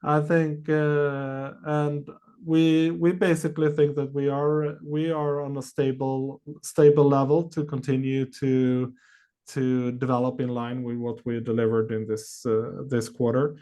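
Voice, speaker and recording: A man answering questions as a company executive on an earnings call, speaking haltingly with many long filled pauses. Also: medium pitch, level tone, warm tone, clean tone.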